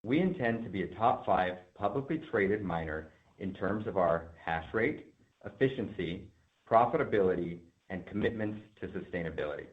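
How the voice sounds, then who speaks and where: Low-voiced male executive on a phone line. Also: lively intonation. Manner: formal, deliberate corporate delivery. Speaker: company executive. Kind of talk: scripted earnings call address. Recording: narrow, tinny phone line.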